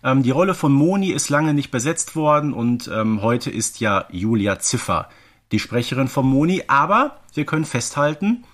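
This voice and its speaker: A man's voice: mid-range voice, sing-song, moderate pace, fairly bright tone. A man co-hosting a podcast, explaining things in a casual but methodical, informative way. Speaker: podcast co-host.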